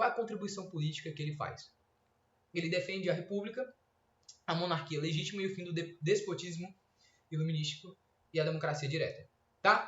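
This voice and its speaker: This man speaks at a very fast pace with a high pitch and ordinary pitch variation, broken up by long, frequent pauses. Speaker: law tutor. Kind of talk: recorded lecture. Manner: casual, conversational.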